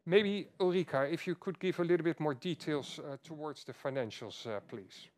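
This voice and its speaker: A man speaking as a chief executive on an earnings call, presenting in a halting way with repeated phrases. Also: a little high, a little mellow, a little hiss or hum.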